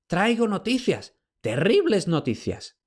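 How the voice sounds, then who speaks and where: A man's voice: on the high side, lively intonation, voice pushed up. A man voicing a doddering, fawning old male slave who stammers and pants out his words. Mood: breathless. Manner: breathless, stammering, slow.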